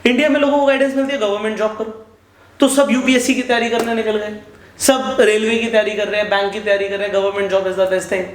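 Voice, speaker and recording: A young man hosts a chat, talking in an animated way and switching easily between Hindi and English. His voice runs high, and the room around him gives off a noticeable echo. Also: fast, slight background noise. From India. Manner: animated, mixes Hindi and English, eager agreement. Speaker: host, stock market educator. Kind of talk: casual interview chat.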